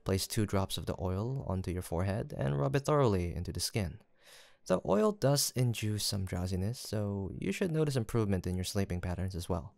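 A man voices a gentle, kindly young village apothecary in a soft roleplay audio drama, speaking politely and formally and offering attentive reassurance. His fairly low, creaky voice is sing-song and a little fast, with no room sound.

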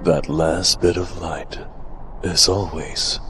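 A sinister video game villain, acted by a man, calm and smug. The voice is low and the taunts come slowly and deliberately, with music clearly behind. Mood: sinister, taunting. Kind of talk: game fan dub acting.

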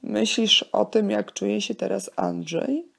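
Woman reading as a patient, gravelly-voiced father. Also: medium pitch, fairly even intonation, slow, exaggerated voice. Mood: gentle. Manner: patient, explaining. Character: gentle, wise father teaching his young son.

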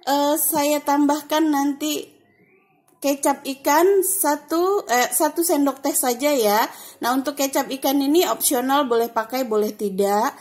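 Slow, high-voiced woman cooking host. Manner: chatty, step-by-step, adds soft "ya" and "nah". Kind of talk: casual cooking tutorial voice-over.

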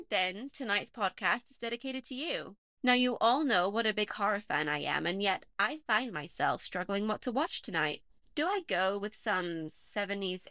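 A woman's voice: medium pitch, sharp tone, smooth, dry recording. A woman playing a chatty, wry podcast host who dismisses callers' suggestions, in an audio play.

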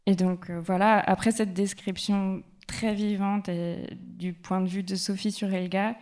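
Woman running a panel talk in a library room, pretty monotone, lots of ums. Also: medium pitch, measured pace. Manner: hesitant, many filler sounds. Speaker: round-table moderator. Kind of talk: panel discussion. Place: public library event room.

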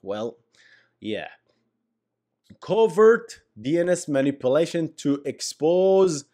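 A young man with an Arabic accent giving casual, animated tech commentary, with chuckling asides and mumbled drops. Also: fairly low pitch. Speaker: tech YouTuber.

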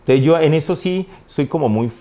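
A man, a priest, telling stories in a warm way and often laughing during an interview. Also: a little high, animated, moderate pace. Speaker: priest, guest. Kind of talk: interview anecdotes. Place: TV studio.

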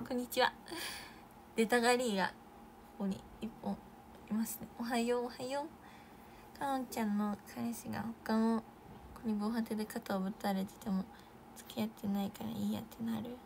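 A young Japanese idol woman chatting casually on a live stream, reading viewer comments with bursts of excitement and soft asides. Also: a little high, moderate pace, vocal fry, long pauses, slight background noise.

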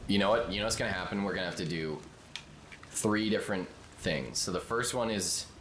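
A man's voice: low voice, a little fast, a bit bright, slight background noise. A young man joking and swearing while playing a co-op game with a friend, tossing in goofy pirate talk. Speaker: gamer. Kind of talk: casual co-op gameplay chat.

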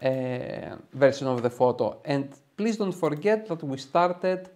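Greek-accented man, slightly high-pitched, teaching. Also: animated, a little slow, a little mellow. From Greece. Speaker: photo editing tutorial host. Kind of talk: step-by-step tutorial narration to viewers. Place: small room, home studio.

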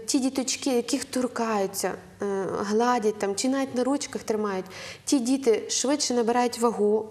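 Earnest young Ukrainian woman, slightly high voice. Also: darkish tone. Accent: western Ukrainian. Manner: earnest, instructive, with frequent hesitation fillers. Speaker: guest on a Christian TV program. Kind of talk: advice talk on parenting.

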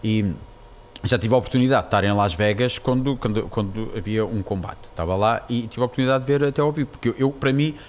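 A man, a guest telling animated anecdotes in casual chat and often repeating words. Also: medium pitch, fast talker, a little hiss or hum. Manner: animated storyteller, repeats words while searching. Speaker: guest comedian.

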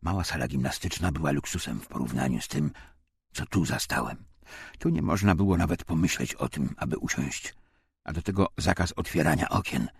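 A man with a gravelly, husky voice reading a wartime memoir as dramatic scripted narration. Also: rumbling low, a little fast, no room sound, studio quality. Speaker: audiobook narrator.

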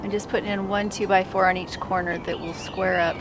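A woman's voice: medium pitch, level tone, a little fast, noisy background. A woman in her thirties, a homesteading vlogger, explaining her building work in a casual, practical way outdoors, speaking to a camera held at arm's length. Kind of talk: casual how-to vlog. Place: small backyard outdoors.

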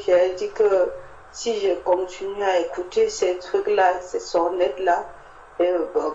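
Female church member, informal testimony, slow halting delivery, muffled echoey recording. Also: mid-range voice, mellow, slight background noise. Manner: halting, repetitive, searching for words. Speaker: church member sharing at a Bible meeting.

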